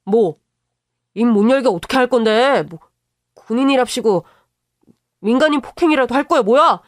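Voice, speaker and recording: A rude, hot-tempered brother-in-law who snaps back and dodges every question in a radio story, as a woman reads him. The voice sits a bit high and sounds dry and close. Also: expressive, moderate pace, no echo, natural voice. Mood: defensive shouting. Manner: rude, snapping, defensive.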